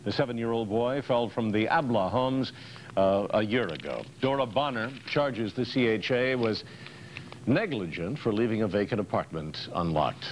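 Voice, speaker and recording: A man's voice: lowish voice, animated, normal speed. A man with an American accent reading scripted television news narration on an old taped newscast. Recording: noisy archival 1990s TV newscast tape.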